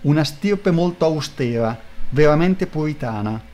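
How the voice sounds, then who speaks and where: A man's voice: fairly high pitch, lively intonation, a little slow, a little mellow. A man reading aloud, voicing a haughty, imperious aristocratic grand duchess in a raised voice. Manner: imperious, skeptical.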